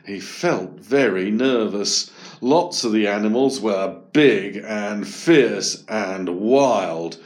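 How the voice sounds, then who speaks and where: A man narrating a children's story aloud. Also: on the low side. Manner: slow, expressive storytelling.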